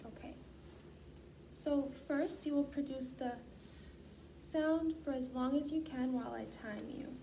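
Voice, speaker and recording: A woman with a high voice speaks as a clinician, formally reading out procedural instructions. She is picked up from some distance from the mic, with clear noise in the recording. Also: unhurried, mellow. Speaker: student clinician giving a voice assessment.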